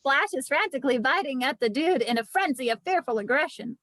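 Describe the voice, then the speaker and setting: A woman's voice: high-pitched, animated, brisk, fairly bright tone, no room sound, clean studio sound. A woman narrating scripted stage directions at an amateur table read.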